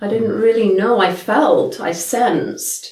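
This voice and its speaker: Very slowly, a woman talks in an American accent. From England. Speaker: holistic health practitioner and meditation teacher. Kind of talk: interview.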